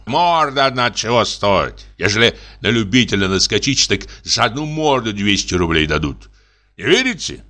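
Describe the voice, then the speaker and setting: A man reads out a boastful, middle-aged army lieutenant, all bluster and wheedling charm, whose voice swoops up into excited highs with a bright, forceful edge. At a moderate pace, the lieutenant hawks his beloved dog with theatrical outrage and flattery.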